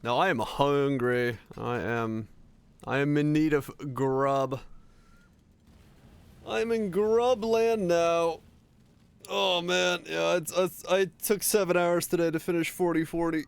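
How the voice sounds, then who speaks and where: A man's voice: on the high side, takes it slowly, vocal fry, clean tone. A man livestreaming over a headset mic, chatting in a laid-back way with frequent laughs and trailing fillers. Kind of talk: casual gameplay chat.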